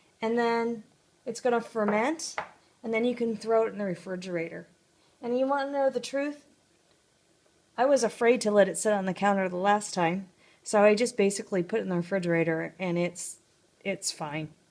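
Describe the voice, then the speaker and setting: At a fairly quick pace, a woman talks with medium pitch and ordinary pitch variation, broken by long, frequent pauses. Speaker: home cooking vlogger. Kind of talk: tutorial. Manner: casual, chatty with fillers.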